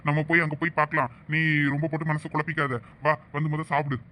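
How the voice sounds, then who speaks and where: A man playing a calm, caring friend who coaxes and reassures in a village drama. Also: on the high side, quick pace, a little hiss or hum. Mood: reassuring. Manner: coaxing, reassuring.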